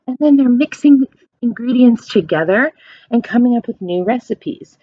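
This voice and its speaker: A woman doing a children's read-aloud as a teacher, explaining things in simple questions and animated, encouraging asides. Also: on the high side, moderate pace, no echo, lo-fi sound.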